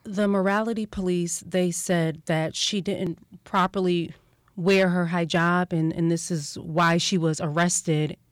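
A woman hosts an interview show and asks measured questions that draw out her guest. Her voice is on the lower side. The sound is dry and close, with no room echo. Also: steady tone. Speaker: podcast host. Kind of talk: interview hosting.

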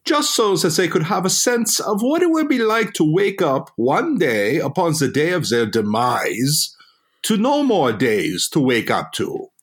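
A man's voice: fairly high pitch, sing-song, a little slow, husky, full character voice. A man acts out a self-important existentialist in a comedy. His narration rises and falls dramatically. He is academic, wordy and indignant. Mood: pompous indignation. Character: pompous, indignant German existentialist Hans. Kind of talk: scripted mock-retrospective narration.

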